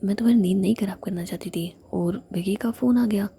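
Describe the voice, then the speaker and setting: A woman's voice: mid-range voice, fast, creaky, dark tone, husky. A woman voicing a young woman who apologizes to and teases her upset friend, in a coaxing whisper. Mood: apologetic.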